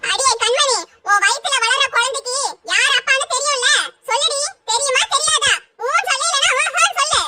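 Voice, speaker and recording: A woman's voice: very high voice, a little fast, hardly any pauses, dry recording, studio quality, heavily acted. A woman voicing a blunt, sarcastic young woman who taunts her relatives. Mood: taunting. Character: sharp-tongued young woman, cousin Aishu. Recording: loud background noise.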